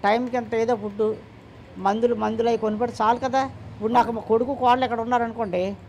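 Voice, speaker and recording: A man's voice: extremely high pitch, little pitch movement, fast talker, creaky, a little mellow, muffled recording, a little hiss or hum. An older man answering interview questions about his son, speaking emphatically and often repeating himself or quoting what others said. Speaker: interviewee, the father of a man in the news.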